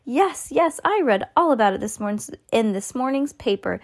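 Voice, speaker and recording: A woman voicing an exuberant, fussily polite, eccentric little man who owns a chocolate factory, with effusive exclamations, as in a storybook reading. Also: animated. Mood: excited, gushing. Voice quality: high and fluty. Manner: effusive, quick-fire exclamations and pleasantries.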